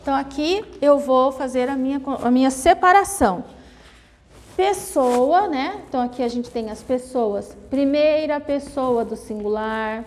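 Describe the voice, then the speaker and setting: High-voiced Brazilian teacher, slow and echoing. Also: female voice, darkish tone. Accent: Brazilian Portuguese. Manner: explains slowly, repeating and checking with "né?" and "tá?". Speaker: Portuguese teacher. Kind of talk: classroom grammar lesson.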